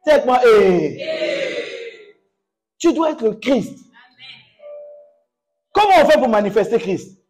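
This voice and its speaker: A man preaching a sermon as pastor, exhorting the congregation with call-and-response and bursting into loud exclamations. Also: very high-pitched, very animated, slow, long pauses.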